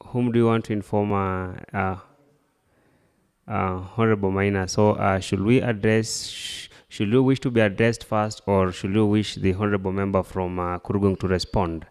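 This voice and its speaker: A man's voice: on the low side, steady tone, moderate pace, a little mellow, clean tone. A man with a Kenyan accent presiding as Speaker over a debate in a formal, hesitant manner. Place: large assembly chamber. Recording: echoey hall with long reverb.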